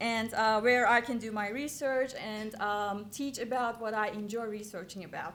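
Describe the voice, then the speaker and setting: Her pitch fairly high and her tone bright and sharp, a woman with a Turkish accent speaks with fairly even intonation. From Turkey. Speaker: professor, panel moderator. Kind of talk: panel moderation.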